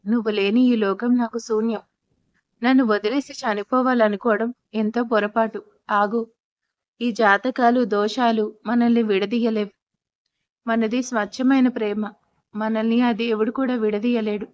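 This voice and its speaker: A woman's voice: a little high, fairly even intonation, moderate pace, close to an everyday voice. A woman voicing a desperate young man pleading. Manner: pleading, urgent. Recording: dull, dry recording.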